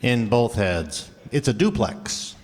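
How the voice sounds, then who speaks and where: An actor playing a wisecracking uncle in 1940s radio comedy acting, with dry, drawling remarks. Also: male voice, mid-range voice, expressive, slow pace, a little mellow. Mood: wry. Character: wisecracking uncle fond of drink. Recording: reverberant old radio broadcast.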